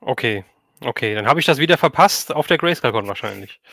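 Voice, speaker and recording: A man's voice: mid-range voice, animated, fast, bright, forceful tone, no echo, studio quality. A man hosting a casual livestream interview, asking questions and responding informally.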